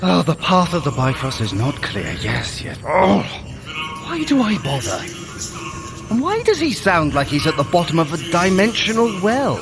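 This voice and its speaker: A man's voice: high-pitched, wildly swooping pitch, normal speed, gravelly, over loud music, exaggerated voice. A man playing a wry, fussy trickster god in an audio drama, theatrical and talkative. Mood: exasperated.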